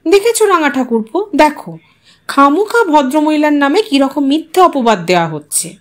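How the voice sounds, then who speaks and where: A woman's voice: sits high, sing-song, normal speed. A woman voicing a housewife who playfully scolds with feigned offence in an audio story. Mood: mock anger. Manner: mock-indignant.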